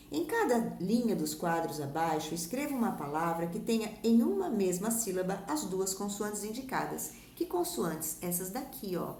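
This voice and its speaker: A woman teaching a primary school lesson, speaking Brazilian Portuguese in a patient way, stretching example words out slowly and checking that her pupils follow. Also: fairly low pitch, a little mellow. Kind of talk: recorded remote class lesson. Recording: echoey room with faint background noise.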